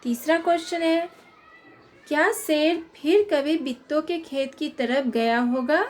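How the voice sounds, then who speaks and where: A high-pitched woman teaches young children, reading workbook questions slowly and spelling out each answer. Her explaining is unhurried and patient, as though she pauses so they can write it down.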